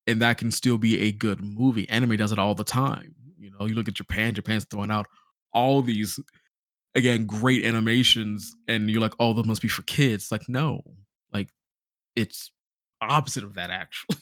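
A man's voice: lowish voice, fairly even intonation, normal speed, a bit bright, no echo, clean studio sound. A man hosting a podcast in casual chat, talking like an enthusiastic fan with joking asides. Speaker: podcast host. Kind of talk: casual podcast chat about games and films.

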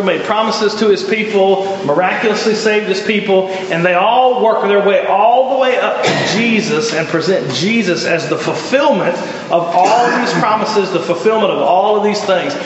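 A man's voice: high-pitched, moderate pace, hardly any pauses, a little hiss or hum. A man with a Southern US accent teaching an informal Bible class, conversational and folksy, asking his class questions. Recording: echoey hall, dull lo-fi sound.

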